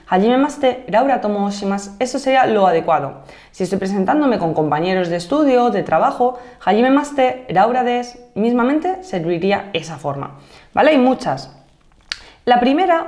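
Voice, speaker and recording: Madrid woman, 30, castilian accent, teaching japanese phrases on video, middle pitch, slows down for each example. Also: a little mellow. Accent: Castilian Spanish, Madrid. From Spain (Madrid). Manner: clear explaining tone, slows down to model Japanese phrases, asks "¿vale?" often. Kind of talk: online video lesson.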